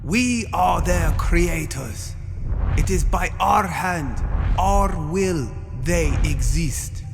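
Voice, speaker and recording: A man's voice: fairly high pitch, expressive, extremely slow, gravelly, pitched above the performer's own voice, full character voice. A man playing a zealous, self-righteous godlike villain, declaiming pompously and wrathfully in a dramatic audio story. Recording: long cavernous reverb over music.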